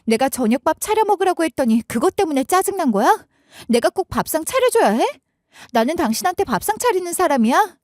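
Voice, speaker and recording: Brief: woman doing a middle-aged wife in a storybook tale, evasive and stammering, pitched high, dry close sound. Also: big pitch swings, moderate pace, few pauses, mellow, no room sound. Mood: indignant. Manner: flustered, stammering excuses. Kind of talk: scripted audiobook dialogue.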